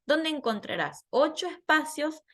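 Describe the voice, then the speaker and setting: A woman's voice: sits high, big pitch swings, measured pace. A woman patiently explaining a scoring worksheet to students in an online class, laughing at herself now and then. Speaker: teacher.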